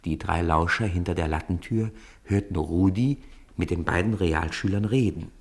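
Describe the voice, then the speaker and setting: A man narrating a children's audio drama in an expressive storytelling manner. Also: low-pitched, moderate pace.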